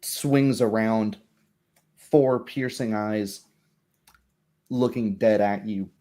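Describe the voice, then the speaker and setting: A man narrates a tabletop roleplaying game as game master. His voice sits low and has a dark, mellow tone. He describes scenes in a measured storyteller's way.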